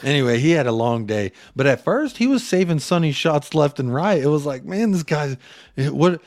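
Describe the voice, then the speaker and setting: Male co-host, casual and excitable, talks in slang, close and dry. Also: on the high side, moderate pace, no echo. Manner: excitable, slangy, acts out quotes. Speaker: podcast co-host. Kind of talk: casual fan chat.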